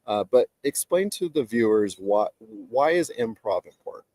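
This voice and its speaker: A man hosting a live interview over a video call from outdoors, asking measured questions with many fillers, his voice nasal and stuffed up from allergies. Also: on the low side, very animated, dark tone, no echo. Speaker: host.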